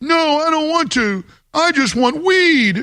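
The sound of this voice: At a fairly slow pace, a man does a whiny put-on character voice at an extremely high pitch, his tone whiny throughout.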